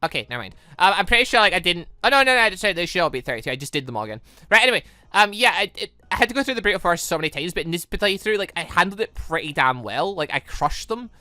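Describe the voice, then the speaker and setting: A woman's voice: lowish voice, big pitch swings, racing, pushed and bright, no echo. A woman giving casual, rambling let's play commentary on a visual novel, reacting aloud and often giggly. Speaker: gaming channel host playing a visual novel. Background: game music.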